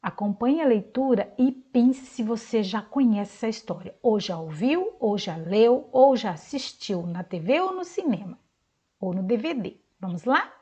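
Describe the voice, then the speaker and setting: A Brazilian woman teacher gives a recorded lesson to young children at an unhurried pace. Her fairly high voice rises and falls a great deal as she sounds out words slowly and claps out their syllables. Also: animated, dark tone, husky. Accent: Brazilian Portuguese. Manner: slow, sing-song teacher talk, clapping out syllables.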